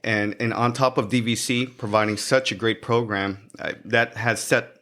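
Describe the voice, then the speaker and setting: A young man from the Philippines, a cybersecurity professional, answering questions as a podcast guest, talking haltingly with many restarts. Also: on the low side, fairly even intonation, a bit bright. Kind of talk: podcast interview.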